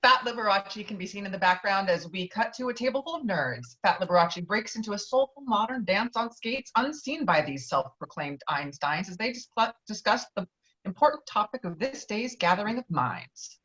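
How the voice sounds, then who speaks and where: A woman's voice: medium pitch, animated, normal speed, fairly bright tone. A woman narrating stage directions from a screenplay in a table read. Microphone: virtual table read over video call. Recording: dull lo-fi video call audio.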